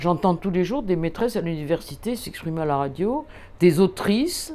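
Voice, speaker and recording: A woman speaks with a dark, mellow tone and a fairly low pitch. Her intonation is lively, and her pace is moderate. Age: 70s. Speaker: journalist. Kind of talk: interview. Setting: at home. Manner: halting.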